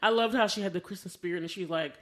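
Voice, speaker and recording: A woman chatting casually as a podcast co-host, telling stories in an animated, exclamatory way while reviewing a film. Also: on the low side, very fast, a loud crowd.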